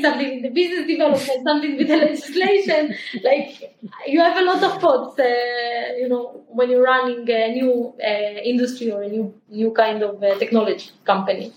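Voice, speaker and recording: A woman, a company founder answering podcast questions in quick, eager talk full of fillers. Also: high-pitched, a little hiss or hum. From Ukraine, raised in Israel. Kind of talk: podcast interview. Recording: roomy echo.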